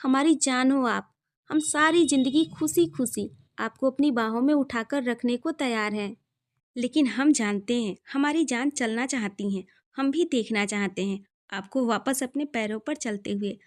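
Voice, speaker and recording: A devoted, protective young husband voiced by a woman reading the story aloud. His lines come in a high, light voice that is tender and firm by turns. It is an audio story reading. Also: normal speed, natural voice. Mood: angry.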